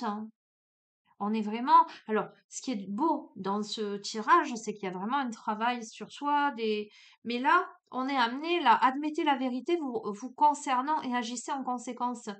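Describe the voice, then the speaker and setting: A woman with a sing-song Marseille accent gives a relaxed tarot card reading, talking right to the viewer as if to a friend. Her voice sits somewhat high, and her delivery is chatty and familiar. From Marseille, France. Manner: chatty and familiar, speaks straight to the viewer, peppers lines with "hein".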